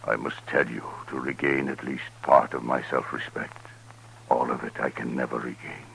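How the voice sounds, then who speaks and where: A man's voice: a bass voice, flat delivery, vocal fry, fairly bright tone, heavily acted, low-quality recording. An actor playing a proud, grieving Native American chief and father, speaking solemnly and formally in 1950s radio western style. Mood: solemn grief. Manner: solemn, formal, deliberate phrasing. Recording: 1950s radio recording with faint noise.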